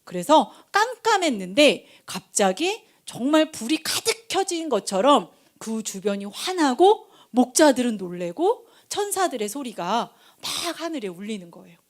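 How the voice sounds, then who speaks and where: Lively woman preaching to children. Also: high-pitched, unhurried, few pauses. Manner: lively, chatty, switching between polite and casual speech to the kids. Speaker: junior pastor preaching to children. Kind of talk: children's sermon at a night prayer meeting.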